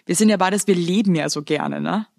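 A woman's voice: on the low side, brisk, vocal fry, darkish tone, no echo. A woman co-hosting a chatty podcast, talking loosely and cursing freely. She drops into playful, theatrical rants. The sound is dry and close to the mic. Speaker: podcast co-host. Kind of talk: casual chat.

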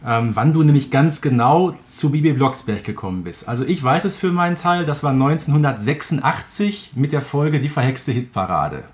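A man's voice: medium pitch, animated, moderate pace, hardly any pauses, darkish tone. A middle-aged man co-hosting a podcast, asking and commenting in a conversational way. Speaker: podcast co-host. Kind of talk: casual conversational interview.

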